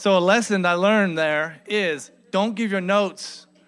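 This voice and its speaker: There is audible room echo as a man speaks at a moderate pace. His voice is high, and his intonation is fairly even. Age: 30s. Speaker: pastor. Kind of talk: sermon. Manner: casual, laughing often.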